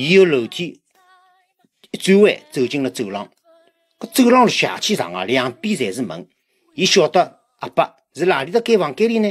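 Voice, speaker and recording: An animated man with a Shanghainese accent speaks high for a man, his pitch swinging very widely. Long pauses come often. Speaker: audiobook narrator. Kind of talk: dramatic narration of a novel, reading aloud in Shanghainese. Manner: animated, emotionally charged storytelling, tense and quickening at climactic moments; shifts pitch and tone to voice characters, e.g. a shrill coy woman.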